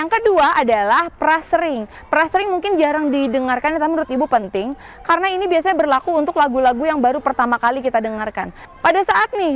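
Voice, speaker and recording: High-voiced teacher leading an outdoor class. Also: female voice. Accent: Banjar-inflected Indonesian. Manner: patient, explains step by step with rhetorical questions. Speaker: school music teacher. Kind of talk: outdoor singing lesson to students. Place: outdoors at a school.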